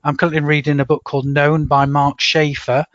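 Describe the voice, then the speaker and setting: A middle-aged Englishman with a lilt talks in a chatty, hesitant way, often doubling words before he finds them. His voice sits a little high for a man. The sound is dry and a bit muffled, with no room around it. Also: little pitch movement, brisk, a bit bright, no echo. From England. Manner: hesitant, repeats words, self-deprecating laughs. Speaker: guest. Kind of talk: casual podcast interview.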